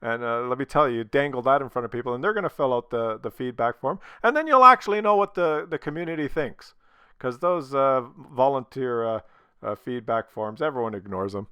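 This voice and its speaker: A man's voice: mid-range voice, brisk, sharp tone, smooth, no room sound. A man talking casually to his viewers, blunt and opinionated, swearing freely, while losing his voice from a cold. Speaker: gaming video creator.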